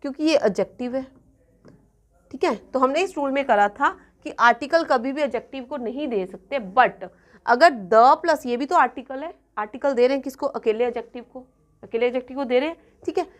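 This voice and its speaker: Brief: woman exam-coaching teacher, somewhat high voice, patient repeated examples. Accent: Punjabi-influenced Hindi-English. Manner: checks in often with students, repeating examples slowly. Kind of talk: classroom grammar lesson.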